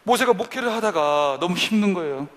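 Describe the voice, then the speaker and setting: Lively, high-voiced preaching man in a reverberant church. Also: brisk. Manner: dramatic, acts out quoted prayers and complaints. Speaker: pastor. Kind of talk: sermon. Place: church service for young adults.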